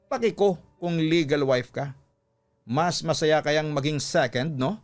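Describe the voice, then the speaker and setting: Man acting a smug, high-pitched mistress. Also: a little slow, lightly acted. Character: smug, taunting mistress, a brazen woman. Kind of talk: dramatized radio story dialogue. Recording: music under the voice.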